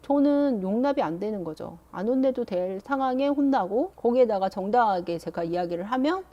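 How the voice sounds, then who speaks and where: A woman voicing a resentful teenage girl who is annoyed at being scolded alongside her sister, speaking in a slow, aggrieved complaining way. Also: fairly high pitch, animated, mellow, muffled recording.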